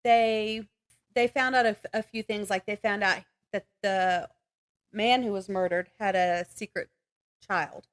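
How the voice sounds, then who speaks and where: A woman's voice: mid-range voice, fairly even intonation, measured pace. A woman podcast co-host chatting casually about books in a rambling, giggly way. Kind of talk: casual book chat.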